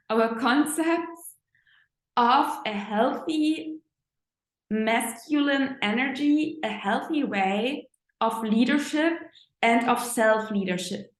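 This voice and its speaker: Woman, German accent, spiritual astrologer, unhurried, echoey room. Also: a little high. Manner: slow, reflective, searching for words. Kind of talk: spiritual talk to camera.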